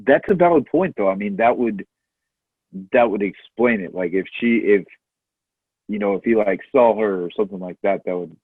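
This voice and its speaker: Man, low husky voice, tinny phone-like sound, laid-back film talk with fillers. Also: normal speed, dry recording. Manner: laid-back, quoting films, filler-heavy. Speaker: podcast co-host. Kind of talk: casual chat about movies.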